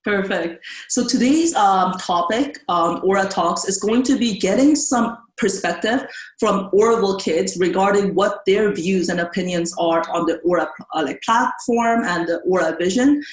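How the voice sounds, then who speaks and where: A woman's voice: mid-range voice, normal speed, few pauses, echoey room, low-quality recording. A young woman hosting a podcast, welcoming guests with friendly, slightly scripted introductions. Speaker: podcast host.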